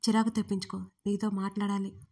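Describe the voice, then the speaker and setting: A woman voicing a stern, commanding young man in a narrated audio story, speaking forcefully and insistently. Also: medium pitch, little pitch movement, brisk, husky.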